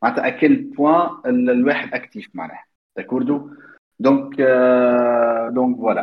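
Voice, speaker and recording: Here a man talks at a fairly slow pace. His pitch is medium with ordinary variation. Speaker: IT expert and influencer. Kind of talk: casual online discussion. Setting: online call. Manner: talkative, code-switching between Arabic and French.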